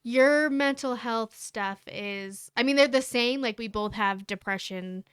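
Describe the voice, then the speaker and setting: A woman's voice: on the high side, measured pace, fairly bright tone, smooth, dry recording, studio quality. A woman co-hosting a candid couple's conversation, earnest and rambling with many fillers. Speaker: podcast co-host.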